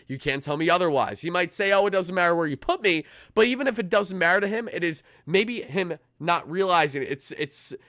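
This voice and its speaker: Raspy fired-up young man. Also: on the high side, dry recording, clean studio sound. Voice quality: raspy from shouting. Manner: fired-up, fast fan talk with restarts. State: hoarse. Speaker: sports channel host. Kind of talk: live-stream pregame talk.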